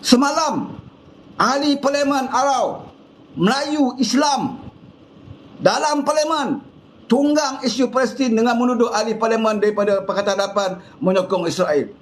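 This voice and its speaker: Malaysian guy ranting hard at politicians, really high voice, bit of hiss behind him. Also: normal speed. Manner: fiery, scolding, rhetorical questions. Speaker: political commentator. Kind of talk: impassioned political monologue.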